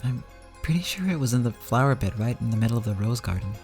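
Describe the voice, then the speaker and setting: A man's voice: mid-range voice, animated, quick pace, a little mellow, faint music behind, natural voice. A man voicing an eager, brash young man talking to his father.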